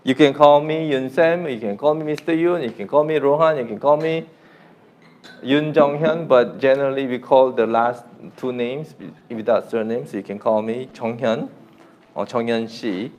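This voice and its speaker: A man's voice: medium pitch, moderate pace. A young man from Korea with a Korean accent, a native Korean speaker, teaching a beginner Korean class live online in an informal way and often restarting his sentences. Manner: energetic, coaxing the class to repeat louder.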